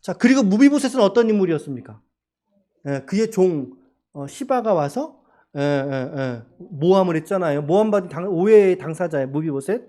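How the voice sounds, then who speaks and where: A man's voice: high-pitched, animated, normal speed, mellow. A man preaching a sermon as a pastor in a church, asking the congregation questions and crying out quoted lines dramatically. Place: church sanctuary.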